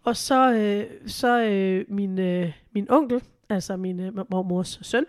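A woman's voice: medium pitch, no room sound, studio quality. A woman co-hosting a podcast in casual chat, giggly and hesitant, her voice changed by a cold, at home in a living room. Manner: giggly, hesitant with many fillers. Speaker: podcast co-host.

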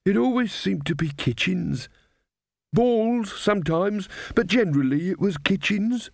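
A man's voice: high voice, lively intonation, a little slow, creaky, no echo, studio quality, pitched above the performer's own voice, full character voice. A man voicing a mild, cheerful old fairy godmother woman who chats and rambles. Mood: mild, chatty.

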